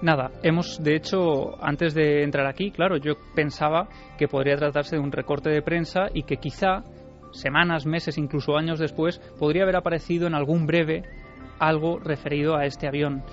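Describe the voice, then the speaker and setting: Guy on radio, slightly high voice, telling a story, muffled sound. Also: steady tone, moderate pace, soft background music. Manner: narrative, addresses the host directly. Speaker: radio show contributor. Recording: dull lo-fi radio broadcast.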